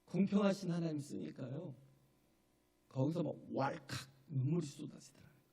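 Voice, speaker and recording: A male pastor preaching a sermon in a church, emphatic, often checking in with the congregation, building to shouted and tearful peaks. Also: on the high side, normal speed, breathy edge. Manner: emphatic, keeps asking the congregation "예?". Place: church sanctuary.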